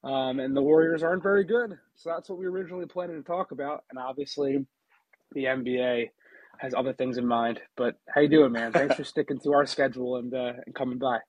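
A man with a slightly husky, mid-pitched voice hosts a casual sports podcast. He talks in a chatty way and often restarts his sentences. The sound is dry and close to the mic. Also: fairly even intonation, a little fast, dry recording, low-quality recording. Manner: chatty, many restarts, eating a sandwich while talking. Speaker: podcast host and NBA reporter.

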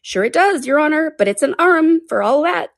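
A woman's voice: sits high, lively intonation, fairly quick, dry recording, clean studio sound, pitched above the performer's own voice. A woman voicing a simple, deferential male servant creature in a storybook, rustic and stubborn in manner. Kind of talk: storybook character voice.

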